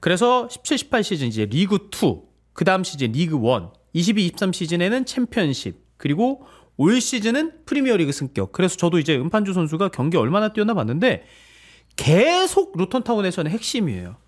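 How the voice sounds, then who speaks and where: A man's voice: high-pitched, sing-song, brisk. A man hosting a football talk show, bringing in each segment and partly reading from notes in a casual way. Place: studio.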